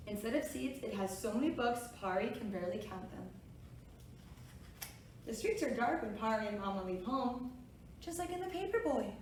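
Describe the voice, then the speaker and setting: A woman's voice: a little high, expressive, normal speed, long pauses. A woman with a kindergarten teacher voice, hosting a children's storytime, reading picture books aloud and guiding young listeners with simple, encouraging directions. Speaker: preschool storytime reader and host. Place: echoey room, away from the mic. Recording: very echoey room, distant mic, faint noise.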